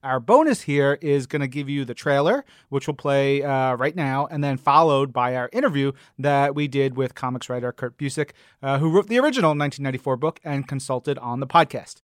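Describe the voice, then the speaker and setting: A man's voice: mid-range voice, lively intonation, brisk, few pauses, dry recording, clean studio sound. A man hosting a podcast in an upbeat, playful and emphatic way. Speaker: podcast host and interviewer.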